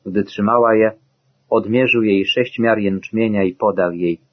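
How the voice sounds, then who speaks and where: A man narrating a Bible story as a steady, measured scripted reading, in a dull lo-fi recording. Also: lowish voice.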